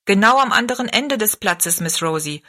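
A woman's voice: medium pitch, lively intonation, moderate pace, bright, forceful tone. A woman voicing a helpful, deferential lad in a storybook, plain and earnest in manner. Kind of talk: storybook narration.

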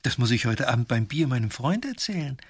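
A man's voice: mid-range voice, sing-song, brisk, husky. A man voicing a simple, eager palace guard in a storybook. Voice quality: naive, eager.

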